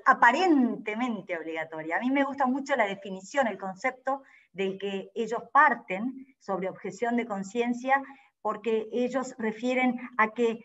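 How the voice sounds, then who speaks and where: A woman giving an academic law lecture in a careful, explanatory way, often pausing to rephrase. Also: fairly high pitch, fairly bright tone. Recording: dull lo-fi audio.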